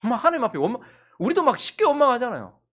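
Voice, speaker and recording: A woman's voice: a little high, very animated, racing, fairly bright tone. A woman pastor with a Gyeongsang accent preaching a sermon, asking the congregation one rhetorical question after another. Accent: Gyeongsang Korean.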